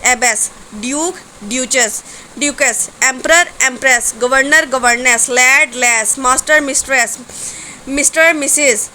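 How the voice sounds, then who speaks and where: A woman with a high voice teaches grammar, switching between Hindi-Urdu explanations and slow, careful readings of rules. She runs through long word lists one pair at a time. A faint hiss of noise sits behind her. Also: bright, forceful tone, poor audio. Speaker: English teacher. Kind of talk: grammar lesson.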